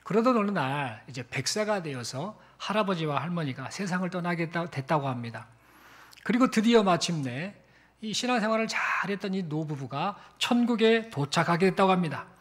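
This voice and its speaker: Lively high-voiced male pastor preaching. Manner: storytelling with rhetorical questions. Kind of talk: sermon. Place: church sanctuary.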